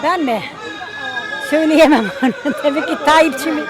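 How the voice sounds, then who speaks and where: A woman's voice: high voice, moderate pace. A woman giving short, cheerful answers in a street interview. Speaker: passerby interviewee. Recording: noisy street crowd.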